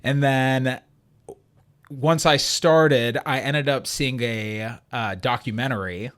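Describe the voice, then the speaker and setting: A man of ordinary pitch is a guest on a casual podcast. He tells his own story in an easygoing way and pauses often with ums. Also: fairly bright tone. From United States. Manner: easygoing storyteller, hesitant with fillers. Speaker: guest, CrossFit coach and athlete.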